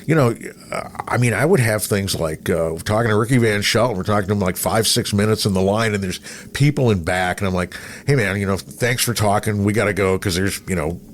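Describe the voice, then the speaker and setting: A middle-aged American man hosting a casual chat show, rambling through anecdotes with hesitant pauses. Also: on the low side, a little hiss or hum. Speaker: podcast host, radio veteran.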